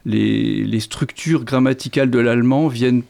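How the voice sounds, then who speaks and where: Middle-aged male author, gravelly, hesitant, restarts often; grew up speaking Lorraine Franconian. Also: medium pitch, fairly even intonation, moderate pace, a little mellow. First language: Lorraine Franconian (Platt). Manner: hesitant, many restarts and fillers. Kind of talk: literary interview.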